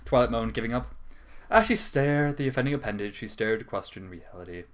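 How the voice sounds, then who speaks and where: A man's voice: mid-range voice, expressive, fast talker. A man narrating a comic story in an irreverent, theatrical, sweary manner, dropping in casual asides. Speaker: narrator reading fan fiction.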